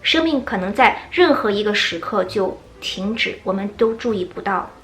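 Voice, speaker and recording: A woman teaching English in Chinese, with a British accent when she reads passages aloud slowly and clearly. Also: mid-range voice, expressive, a bit bright, roomy sound, soft background music, poor audio. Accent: British English when reading. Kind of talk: reading lesson with read-aloud.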